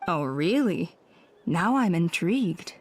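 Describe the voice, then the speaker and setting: A woman's voice: on the low side, expressive, slow pace, slightly rough, exaggerated voice. A woman voicing a female tribal elder in a game, authoritative, unruffled and businesslike. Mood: assured, businesslike.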